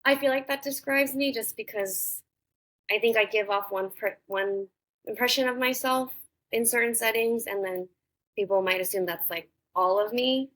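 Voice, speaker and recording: A young adult woman talking thoughtfully as a podcast guest, pausing often with fillers and restarts. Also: fairly high pitch, a bit bright. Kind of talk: casual interview conversation.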